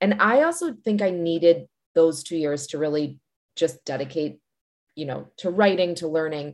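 At a moderate pace, a woman with an American accent talks in a plain, everyday voice, fairly low in pitch with ordinary pitch variation. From US Midwest, Chicago North Shore suburbs. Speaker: novelist and creative writing teacher. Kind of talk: interview conversation.

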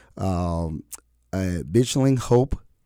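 A man with a Venezuelan accent has a dark, mellow tone, captured in a very clean recording with a silent background. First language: Spanish. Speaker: city council candidate and small business owner. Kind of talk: radio interview.

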